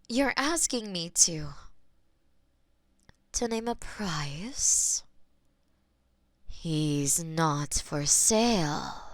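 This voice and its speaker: A woman voicing a centuries-old female demon who keeps a human as her pet, speaking slowly and intimately with a possessive edge. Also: medium pitch, no echo, clean studio sound. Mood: indignant. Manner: slow, intimate, possessive, softly spoken. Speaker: voice actor in audio roleplay. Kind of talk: scripted audio roleplay.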